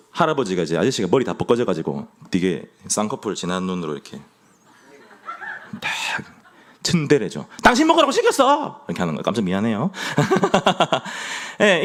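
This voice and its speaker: Playful Gyeongsang preacher with lively pitch. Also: male voice. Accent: Gyeongsang Korean. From Gyeongsang region of Korea. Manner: playful, joking with the congregation. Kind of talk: sermon.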